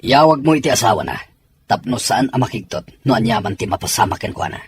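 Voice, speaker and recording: A man's voice: medium pitch, lively intonation, quick pace, a little hiss or hum, close to an everyday voice. A man playing a commanding army officer in a radio drama, speaking with a Filipino accent. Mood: grave, steady.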